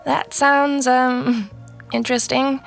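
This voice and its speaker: A woman's voice: high voice, flat delivery, slow, vocal fry, full character voice. A woman voicing an earnest, idealistic, outspoken sixteen-year-old girl in an audio drama, with a pushy, youthful manner. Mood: pushy, dismayed. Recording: music under the voice.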